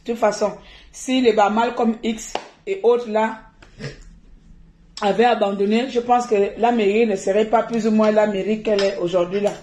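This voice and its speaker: A woman from Gabon, talking on a live stream in an animated, indignant way and laughing often. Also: mid-range voice, moderate pace, roomy sound, slight background noise.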